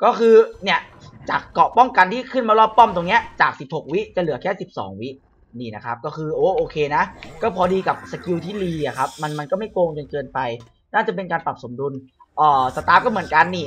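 A man speaks in a high pitch with very wide pitch swings. Music plays in the background. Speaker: gaming channel host. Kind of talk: casual patch-notes commentary to camera.

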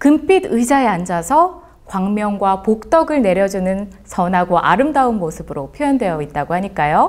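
Delivery moves at a moderate pace. Pitch rises and falls very widely. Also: woman. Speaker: talk show host. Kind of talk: scripted presentation. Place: studio. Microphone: lapel.

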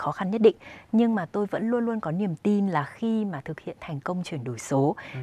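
A woman's dark, mellow voice rushes at a very fast pace with lively intonation, dry with no echo. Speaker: physician and researcher; TV guest. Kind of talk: TV interview. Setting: TV studio. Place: studio. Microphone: lapel.

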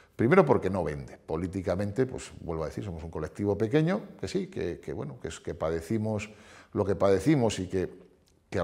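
A man speaks at a very deep, low pitch with a dark, mellow tone. His pace is fairly quick, and the background is quiet. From Spain. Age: 50s. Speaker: patient advocacy association vice president. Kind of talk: interview. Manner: halting. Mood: earnest, critical. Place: studio. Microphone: lapel.

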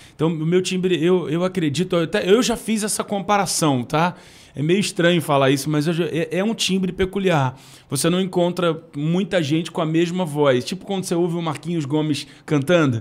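The man's voice sits high in pitch, and its pitch variation is ordinary. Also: moderate pace. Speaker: gospel singer. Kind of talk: casual interview chat.

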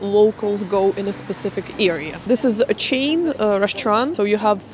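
A woman speaks at a moderate pace. The sound is dry with no echo, and clear music plays in the background. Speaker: travel vlogger. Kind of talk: casual vlog chat. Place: street.

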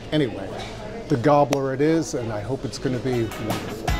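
A man speaks over noticeable background noise. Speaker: food vlogger. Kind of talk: casual vlog chat. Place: cafe. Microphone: lapel.

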